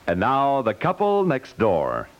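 A man's voice: medium pitch, huge pitch swings, takes it slowly. An American man reading announcements and sponsor ads in the style of 1950s radio. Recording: dull 1950s radio recording.

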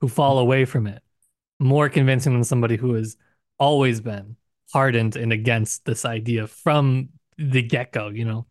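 A man's voice: medium pitch, steady tone, normal speed, dry recording, studio quality. A man co-hosting a podcast, casually discussing a book and offering personal opinions in a tentative way. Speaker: podcast co-host.

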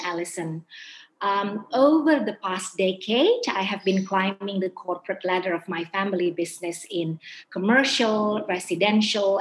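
A woman in her forties from Indonesia, an entrepreneur guest speaking in a measured, reflective way with frequent ums. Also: medium pitch, a little hiss or hum. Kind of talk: interview answers. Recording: roomy echo.

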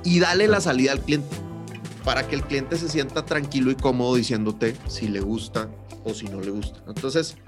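A man, co-hosting a podcast, telling a story in a lively way and acting out the voices of the people in it. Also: medium pitch, moderate pace, music in the background. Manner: animated storyteller, acts out quoted voices. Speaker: podcast co-host, sales trainer.

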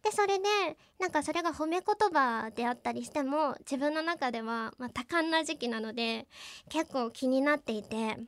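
A woman's voice: high-pitched, expressive, moderate pace. A young woman with a cute, girlish, anime-like voice, talking politely and earnestly as a radio co-host. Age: young adult. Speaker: live streamer and radio co-host. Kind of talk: radio-style personal talk. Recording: music bed behind the voice. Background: background music.

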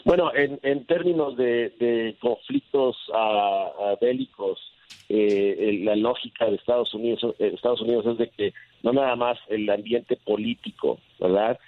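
A male immigration lawyer answering interview questions, halting with many fillers and restarts. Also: mid-range voice, no echo. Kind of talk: casual radio interview answers. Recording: tinny phone line.

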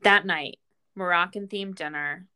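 A woman co-hosting a podcast with casual, chatty recapping of a TV show, quick to giggle. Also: lowish voice, bright, forceful tone, clean tone. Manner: giggly, breaking into laughter often. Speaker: podcast co-host.

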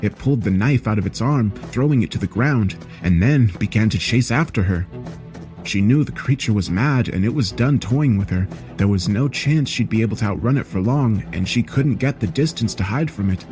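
A man reading a scripted horror story in a measured, serious way, as a storyteller. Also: fairly low pitch, lively intonation, darkish tone. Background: background music.

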